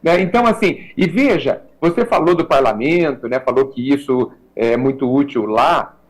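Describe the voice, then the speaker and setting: A Brazilian man talking as a guest on a radio talk show, reflective and measured, often checking in with a tag question. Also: mid-range voice, poor audio. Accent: Brazilian Portuguese. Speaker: guest commentator.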